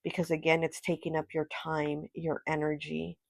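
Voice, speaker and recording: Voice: medium pitch, monotone, moderate pace, gravelly, no room sound, rough recording. A tarot reader with a stuffy, nasal voice from a cold, doing a casual, chatty card reading with lots of fillers and small laughs. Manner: chatty, rambling, frequent fillers and little laughs.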